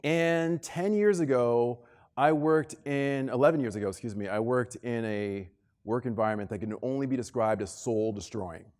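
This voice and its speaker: A man's voice: mid-range voice, normal speed, a little mellow. American man giving an emphatic keynote. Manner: emphatic, conversational, repeats phrases for effect. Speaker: keynote speaker. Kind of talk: motivational conference keynote, personal storytelling. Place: live talk on stage to a room of listeners. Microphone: stage microphone.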